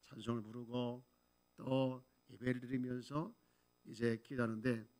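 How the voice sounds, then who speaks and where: A man's voice: medium pitch, measured pace. A man preaching a Sunday sermon in a church, telling stories with rhetorical questions. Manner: animated storytelling with rhetorical questions. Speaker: pastor. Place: church sanctuary.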